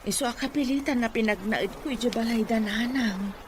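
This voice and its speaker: A woman's voice: a little high, fairly quick, a little hiss or hum, natural voice. A woman acting in an Ilocano audio drama. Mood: serious.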